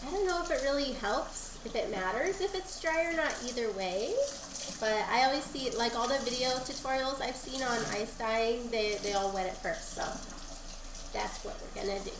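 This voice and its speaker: A woman streamer with a higher voice, sounding stuffed-up and nasal from a lingering cold. She explains her crafting steps in a chatty, meandering way. The room is echoey, with a faint hiss behind her. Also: moderate pace. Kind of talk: casual live-stream dyeing tutorial.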